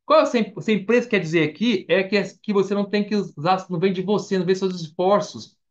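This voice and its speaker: A man's voice: high-pitched, fast talker, muffled recording. A man preaching a Bible study sermon with a Brazilian Portuguese accent. He keeps asking his listeners questions and answering them himself. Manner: animated, asks the congregation questions and answers them. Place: church or online meeting.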